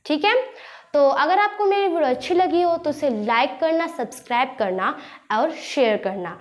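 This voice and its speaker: A woman's voice: high voice, expressive, normal speed. A young woman hosting an online lesson, patiently explaining a practice quiz and often repeating herself with rhetorical questions. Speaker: teacher and channel host.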